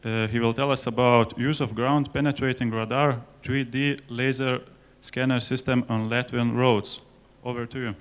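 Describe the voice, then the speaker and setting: Conference moderator guy, polite, bit halting, introducing the next speaker. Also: mid-range voice, fairly even intonation, clear, resonant tone. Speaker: session moderator. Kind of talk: formal moderating. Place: conference hall.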